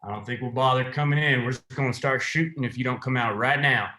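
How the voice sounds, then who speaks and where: A man's voice: medium pitch, quick pace, sharp tone, roomy sound, natural voice. A man playing an angry, commanding lawman boss from the 1920s in a screenplay table read. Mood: menacing. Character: angry, menacing, foul-mouthed male lawman boss in 1920s America.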